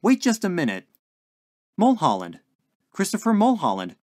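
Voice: mid-range voice, very animated, normal speed, no echo, clean studio sound, pitched above the performer's own voice, natural voice. A narrator voicing a polite, earnest young man in a story, hesitant and puzzled as he searches for his words. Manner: hesitant, searching, well-mannered.

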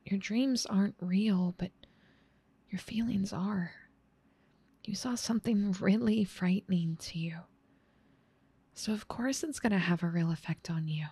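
A woman voicing a gentle, caring big sister in an ASMR roleplay, soft and slightly scratchy, tender and soothing, often whispering. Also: medium pitch, a little slow, pauses often, breathy edge, dry recording. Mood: tender, reassuring.

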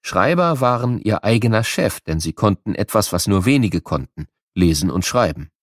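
A man's voice: fairly low pitch, sing-song, moderate pace, no room sound, studio quality. A man with a standard German accent narrating scripted educational material for children in an explanatory, storytelling manner. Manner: explanatory, storytelling, addressing listeners with questions.

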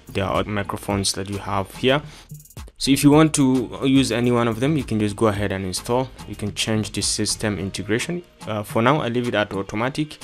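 Low-voiced man presenting a software tutorial. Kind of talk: explanatory screen-recording tutorial. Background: background music.

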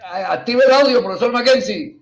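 A man's voice: extremely high pitch, fairly quick, vocal fry. Jovial male talk show host. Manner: jovial, interrupting, calls on guests. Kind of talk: casual talk show banter. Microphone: video call.

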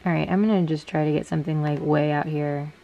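A woman's voice: sits low, fairly even intonation, quick pace, gravelly, muffled recording, slight background noise. A young woman in her twenties chatting casually to camera in a small bedroom, with wry, self-mocking asides. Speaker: lifestyle vlogger. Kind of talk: casual vlog chat to camera.

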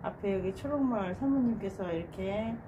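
A woman's voice: medium pitch, normal speed, dull audio, noisy background. Gushing woman showing off her balcony flowers. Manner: gushing and admiring, with soft sighs. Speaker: gardening vlogger. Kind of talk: casual narration while showing plants. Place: home balcony garden.

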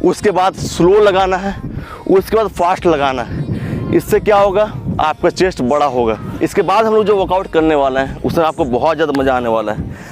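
A young adult fitness coach with a fairly high-pitched voice speaks at normal speed, leading a bodyweight chest workout. Out in an open field, he gives short commands and counts reps.

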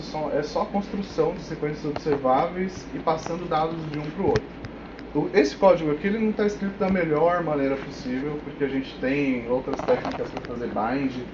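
Male tech presenter, Brazilian accent, colloquial and informal, checks in often; roomy, noisy recording. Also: on the high side. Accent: Brazilian Portuguese. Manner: colloquial, frequent check-in tags. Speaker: developer giving a technical talk. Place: indoor meetup room with whiteboard. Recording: echoey room, dull sound, clear noise.

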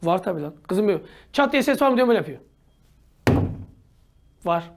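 A man teaching a lesson with a high, very lively voice that swings all over the place. He jokes, uses slang and breaks into shouts between explanations. The delivery is energetic. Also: brisk, gravelly, noisy background. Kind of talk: lively grammar lecture.

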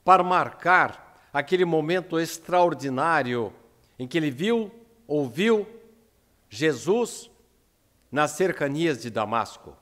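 Slow-speaking elderly Brazilian man in a reverberant hall. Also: fairly high pitch, animated, a bit bright. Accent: Brazilian Portuguese. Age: 70s. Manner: deliberate, emphatic pauses, rhetorical questions. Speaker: lecturer at a Spiritist centre. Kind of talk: religious lecture, prepared and read out. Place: indoor lecture room at a lectern. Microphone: gooseneck lectern microphone. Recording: echoing hall with long reverb.

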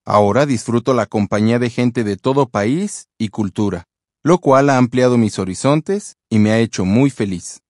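A man from Australia tells his own story in an earnest, calm read at a middle pitch. The voice is recorded close and dry, with no room sound behind it. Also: moderate pace, no echo. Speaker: testimony speaker. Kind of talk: read personal testimony.

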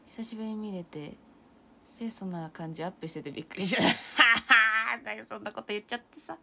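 A young woman idol chatting casually on a livestream, answering viewer comments in a soft, often half-whispered, self-mocking way. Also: mid-range voice, quick pace, creaky, slightly rough. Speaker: idol streamer.

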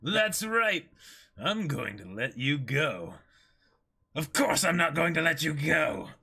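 A man's voice: a little high, sing-song, slow, gravelly, bright, forceful tone, husky, full character voice. A man voicing a boisterous, menacing pirate captain in a commanding, theatrical, gloating manner.

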